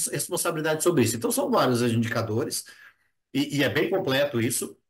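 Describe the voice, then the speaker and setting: His pitch swings very widely. The man's pace is very fast. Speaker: education business consultant. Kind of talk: online Q&A session. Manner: halting, stumbles over words.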